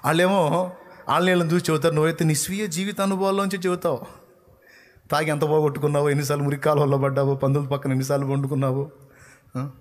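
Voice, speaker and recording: A man's voice: fairly high pitch, fairly even intonation, fast talker. A male pastor preaching a sermon with fiery delivery and constant rhetorical questions.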